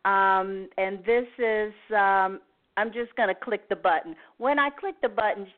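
A woman hosts a live call-in show in a deliberate way. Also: mid-range voice. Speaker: show host. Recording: tinny phone-like line.

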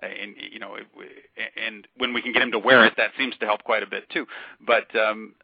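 A man with a fairly low voice talks through science news in a thoughtful, explaining way, often circling back to restart a phrase. His voice sounds dull and lo-fi, with a dry, close, roomless sound. It comes across as a casual podcast chat. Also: steady tone, fairly quick, gravelly, dry recording. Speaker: podcast co-host. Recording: dull lo-fi call audio.

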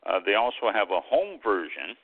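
A man hosting a wine radio talk show, calling in over a landline phone and reading announcements with many halting fillers. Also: fairly low pitch, sing-song. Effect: heard over a landline phone. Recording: tinny landline phone line.

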